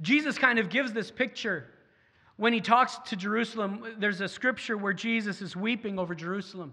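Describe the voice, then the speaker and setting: Against a quiet background, a man speaks fairly quickly in a raised, projected voice, high-pitched, bright and sharp, with ordinary pitch variation. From Saskatchewan, Canada. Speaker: pastor. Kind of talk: sermon. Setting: church. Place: church. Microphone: headset.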